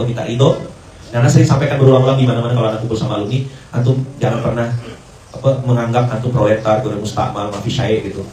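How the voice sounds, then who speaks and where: An Indonesian man with a warm, mid-range voice gives a conversational morning sermon built around a story. He acts out the quoted dialogue and slips in Arabic and English phrases, recorded on a distant mic in a roomy space with faint ambience.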